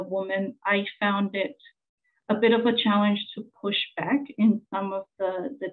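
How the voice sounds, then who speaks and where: A Samoan woman journalist in her forties giving an earnest conference presentation, pausing often with fillers. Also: mid-range voice. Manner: earnest, halting with many fillers. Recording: tinny phone-like sound.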